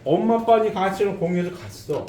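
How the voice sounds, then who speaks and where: A man's voice: high-pitched, lively intonation, fairly quick, warm tone, faint music behind. A man preaching a sermon in a church, asking his listeners rhetorical questions. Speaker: pastor. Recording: echoey room, faint background noise.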